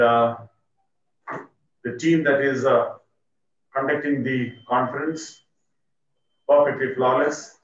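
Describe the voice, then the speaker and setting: A man with an Indian accent gives a formal, measured medical lecture, his voice muffled by the face mask he is speaking through. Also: medium pitch, a little hiss or hum. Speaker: toxicology lecturer, poison centre doctor. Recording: muffled, very echoey, distant microphone.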